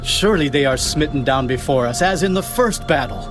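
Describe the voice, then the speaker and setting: An actor playing a confident tribal warrior in a dramatized Bible. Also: male voice, on the high side, expressive, brisk, music in the background, close to an everyday voice. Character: confident warrior of the tribe of Benjamin.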